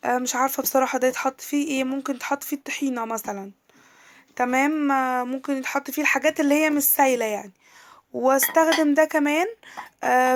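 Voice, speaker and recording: A young woman vlogger with an Egyptian accent, chatting casually at home while showing her things, her voice tired from a recent illness, full of drawn-out fillers and restarts, filmed on a handheld camera. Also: high-pitched, slight background noise. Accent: Egyptian Arabic. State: tired voice, still recovering from illness. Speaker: lifestyle vlogger. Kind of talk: casual product showcase chat.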